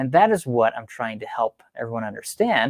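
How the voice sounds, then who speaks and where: Soft-spoken, a man talks at a medium pitch and a fairly quick pace with lively intonation. The recording is very clean, with a silent background and a dry, close sound with no echo. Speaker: piano teacher. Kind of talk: live-stream piano tutorial. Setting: live stream.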